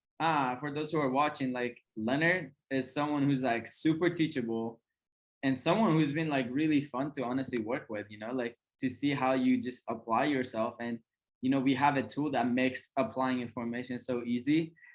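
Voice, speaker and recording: At a moderate pace, a man with medium pitch speaks with a non-native accent and fairly even intonation. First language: not English. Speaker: self-development coach. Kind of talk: casual interview.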